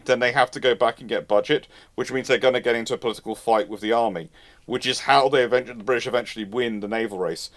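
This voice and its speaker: Man explaining off the cuff, emphatically. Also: mid-range voice. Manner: animated, emphatic, repeats and rephrases mid-sentence. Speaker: host of naval history live Q&A. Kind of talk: off-the-cuff explanatory commentary, answering listener questions.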